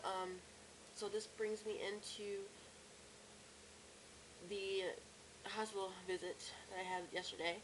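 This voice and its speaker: A young woman with a cracky, strained voice and sore throat, talking casually and haltingly in a personal video diary. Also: medium pitch, little pitch movement. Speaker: vlogger. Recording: clear background noise, room ambience.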